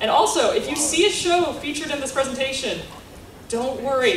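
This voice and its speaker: With audible room echo and noticeable background noise, a woman talks at a fairly quick pace using lively intonation. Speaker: convention panel presenter. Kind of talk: convention panel presentation. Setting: stage with audience. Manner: casual, many fillers.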